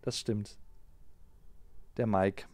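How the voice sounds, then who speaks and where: A man's voice: on the low side, fairly even intonation, extremely slow, a little mellow, no room sound. A man in his thirties from Germany, chatting casually on a live stream, reading out and answering viewers' comments. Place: small home streaming room. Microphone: close desk mic on a boom arm.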